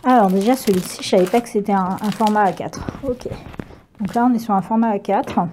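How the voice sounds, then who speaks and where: A woman's voice: medium pitch, fairly quick, a little mellow, slight background noise. A woman chatting casually through a craft haul, hesitant and full of fillers, often laughing at herself. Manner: chatty, hesitant, many fillers and self-corrections, laughs easily. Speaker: craft vlogger. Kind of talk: casual unboxing chat.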